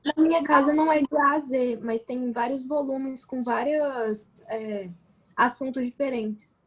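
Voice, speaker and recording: A young woman student answering her teacher in an online class with quick, short replies. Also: high-pitched, steady tone, poor audio.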